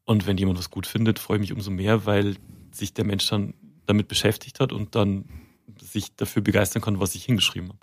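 A man, a guest author in a casual interview, talking in halting restarts with self-deprecating humor. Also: on the low side, level tone.

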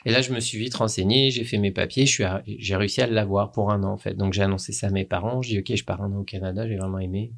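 A middle-aged man from France with a French accent, telling relaxed, rambling stories in a casual interview and laughing often. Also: on the low side, fast talker, creaky, hardly any pauses. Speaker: guest. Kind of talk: casual conversational storytelling.

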